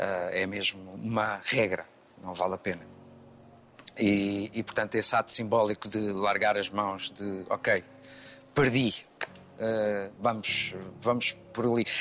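A man at a fairly low pitch, monotone and flat, very slow, with long, frequent pauses. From Lisbon, Portugal. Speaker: actor. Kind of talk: interview. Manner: halting.

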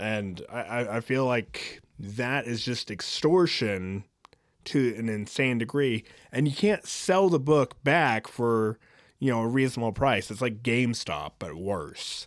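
A man with an ordinary speaking voice talks at medium pitch and a fairly slow pace. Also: lively intonation, very clean recording, silent background. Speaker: podcast host and truck driver. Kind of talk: casual chat. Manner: rambling, profane.

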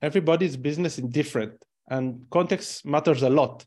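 With an Israeli accent, a man talks at a fairly quick pace in a fairly high voice with ordinary pitch variation against a quiet background. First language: Hebrew. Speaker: ecommerce entrepreneur. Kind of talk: interview.

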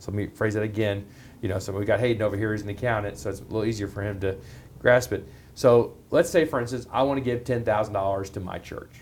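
A man talks at a very fast pace in a fairly low, somewhat breathy voice. His pitch varies in an ordinary way. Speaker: financial advisor and co-host. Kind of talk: casual explanation of retirement accounts. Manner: explanatory.

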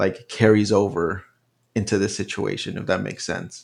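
A man talks at a moderate pace in a fairly low voice, his intonation fairly even. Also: very clean recording, silent background. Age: 20s. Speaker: podcast co-host. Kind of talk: casual chat.

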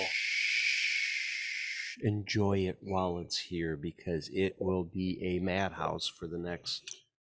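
A man speaks at a very slow pace with hardly any pauses. His very deep, low voice stays monotone and flat. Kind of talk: casual chat. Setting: exhibit hall at a convention.

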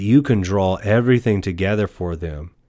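Speaking with an American accent, a man has a fairly low pitch. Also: very clean recording, silent background. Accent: East Texas pronunciation noted by colleagues. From East Texas. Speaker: college English professor. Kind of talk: recorded lecture. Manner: casual, conversational with laughs.

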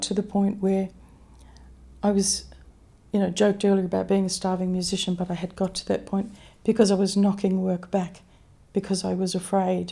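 A woman speaks at a fairly quick pace with an Australian accent. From Queensland, Australia (Mount Isa). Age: 60s. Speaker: author and drummer sharing life story. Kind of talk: testimony. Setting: studio.

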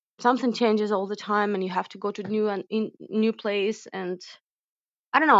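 A woman with a Ukrainian accent speaks at a medium pitch and moderate pace with fairly even intonation. The background is quiet, and the sound is dry and close with no echo. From Ukraine. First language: Ukrainian or Russian. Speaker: interviewee, Ukrainian who lived in the US. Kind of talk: casual interview chat. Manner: halting, hesitant with fillers.

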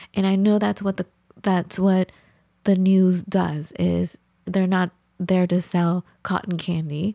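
In a very clean recording with a silent background, a woman talks at a very slow pace with a dark, mellow tone, very even loudness and a dry, close sound with no echo. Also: medium pitch for a woman. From immigrant, Farsi-speaking background. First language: Farsi and English. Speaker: podcast host. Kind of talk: casual chat. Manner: animated.

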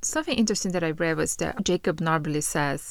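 Recorded very cleanly against a silent background, a woman speaks with a non-native accent, her pitch fairly low and her pitch variation ordinary. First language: not English. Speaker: podcast host, mixed media artist. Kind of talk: solo podcast monologue.

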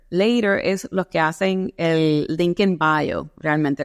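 A woman talks with ordinary pitch variation in a Puerto Rican accent. The background is quiet. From Puerto Rico. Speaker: marketing executive. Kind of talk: interview.

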